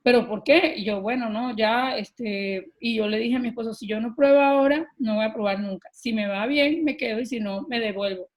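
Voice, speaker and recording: A middle-aged Colombian woman telling her own story as a podcast guest, earnest and animated, often pausing with filler words. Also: fairly high pitch. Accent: Colombian Spanish. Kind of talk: personal storytelling in an interview.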